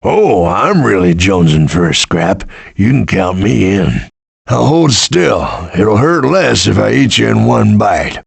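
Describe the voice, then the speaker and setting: Deep gravelly menacing bear. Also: male voice, big pitch swings, no echo, exaggerated voice. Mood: menacing relish. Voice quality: gravelly, husky growl. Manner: slow, swaggering, menacing. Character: gruff, menacing male bear, big and hungry for a fight. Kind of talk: video game character voice acting.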